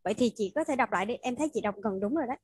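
A woman's voice: on the high side, expressive, very fast, darkish tone, husky, no echo, low-quality recording. A woman with a Vietnamese accent tutoring English pronunciation online, patiently modeling words and repeating them for her student.

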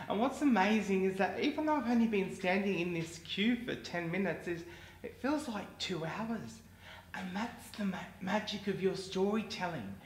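Sarcastic deadpan man in his thirties. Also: sits high, normal speed, roomy sound, slight background noise. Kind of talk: acted monologue. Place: studio with plain grey backdrop.

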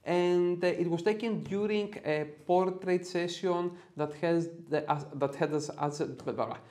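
A man's voice: high-pitched, unhurried, darkish tone. A man in his thirties with a Greek accent, teaching a photo editing tutorial in a chatty, upbeat way from a small home studio. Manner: upbeat and chatty, jokes about himself. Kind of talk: software tutorial with casual asides. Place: small home studio room with red lighting.

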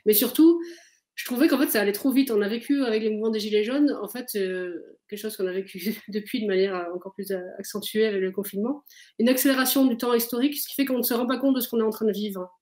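A woman's voice: on the high side, quick pace, a little mellow. Earnest woman author in an echoey room. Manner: earnest, thinking aloud with frequent fillers. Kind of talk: interview answers on a video call. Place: indoor room with a window. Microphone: webcam on a video call.

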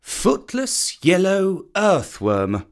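Storybook role: a man voicing a sly black panther, sweet and mocking, slow, lively pitch. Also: full character voice.

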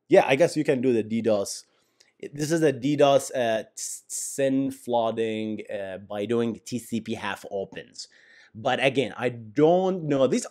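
Tech YouTuber, male, Arabic accent, lively pitch, casual riffing that trails off to mutters. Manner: animated, chuckling asides, drops to mumbles.

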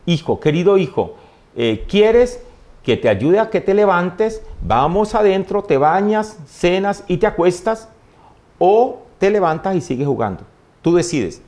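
A man voicing his patient, gentle mother as she softly coaxes her small son, speaking in an encouraging way. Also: high voice, big pitch swings, unhurried, voice pushed up. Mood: tender. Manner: soft, encouraging.

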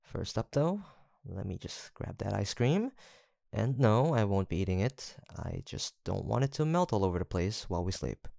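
A male voice actor plays a young college roommate with a crush, in a low voice with plenty of creak. He is gentle and teasing, a little hesitant, and his intonation moves around a lot. It is an intimate, one-sided roleplay conversation. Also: big pitch swings, normal speed, dry recording, clean studio sound. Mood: gentle, tender.

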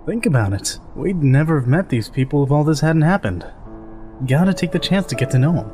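A man's voice: a little high, lively intonation, fairly quick, warm tone, faint music behind, close to an everyday voice. A man playing a chatty, joking, easygoing male soldier in a fan dub of a game scene. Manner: chatty, joking, laughs easily. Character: easygoing, rambling older male soldier, goofy.

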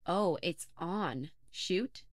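A lively young podcast host. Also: female voice, fairly low pitch, drawn-out words, no echo, studio quality. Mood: wry. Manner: wry, then panicked and sobbing. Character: lonely young woman podcast host, terrorized. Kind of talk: audio play acting.

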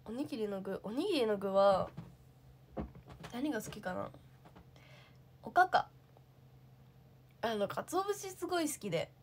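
A woman's voice: fairly high pitch, expressive, measured pace, pauses often, slight background noise. A young woman, an idol, chatting casually on a livestream, answering viewer comments and thinking aloud with lots of fillers.

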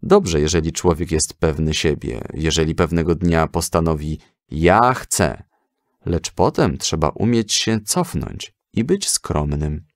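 A man voicing a thoughtful, gentle father in a children's story, measured and kindly instructive. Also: a bass voice, expressive, no echo, clean studio sound, pitched below the performer's own voice, heavily acted. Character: thoughtful, gentle father advising his young son.

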